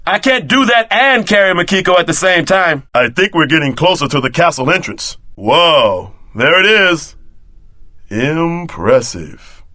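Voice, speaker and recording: An actor playing a streetwise, wisecracking tough sidekick in a video game, wry and wary, with slangy delivery. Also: male voice, fairly high pitch, animated, a little slow, bright, forceful tone, dry recording, studio quality. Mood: wry, strained.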